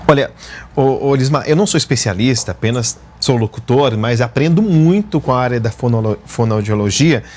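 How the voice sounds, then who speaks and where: A man's voice: mid-range voice, animated, a little fast, darkish tone. Chatty Brazilian male host. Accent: Brazilian Portuguese. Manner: chatty, playful questions. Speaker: host and radio announcer. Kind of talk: TV interview.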